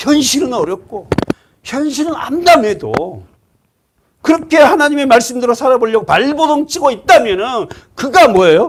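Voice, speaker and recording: Speech comes at a moderate pace. The intonation is lively. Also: man, extremely high pitch for a man. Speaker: pastor. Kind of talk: sermon.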